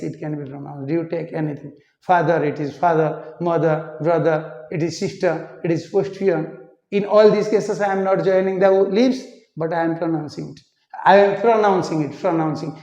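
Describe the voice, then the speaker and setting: A man teaching an English pronunciation lesson, repeating words slowly to show how they should sound. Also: high-pitched, a little mellow. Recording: echoey room, muffled lo-fi sound.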